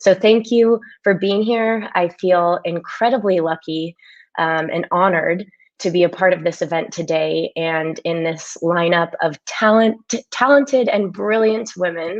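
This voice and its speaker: Over a quiet background, a woman with a plain, everyday voice speaks at medium pitch and a fairly slow pace with ordinary pitch variation. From California, US. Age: 30s. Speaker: tech program manager. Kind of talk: prepared keynote speech. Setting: virtual summit, video call. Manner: frequent filler words (um, uh).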